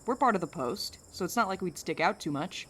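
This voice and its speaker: A woman acting in an audio drama as a steady, protective, wryly skeptical woman with a dry, matter-of-fact manner. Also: lowish voice, fairly quick, slight background noise. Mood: pragmatic, wary.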